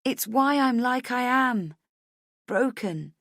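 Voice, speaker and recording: A woman's voice: mid-range voice, expressive, unhurried, dry recording, studio quality, pitched above the performer's own voice, natural voice. A woman voicing a frantic, desperate woman in a dramatic audiobook, speaking urgently and insistently as if pleading to be believed. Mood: earnest, desperate. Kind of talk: dramatic audiobook character dialogue.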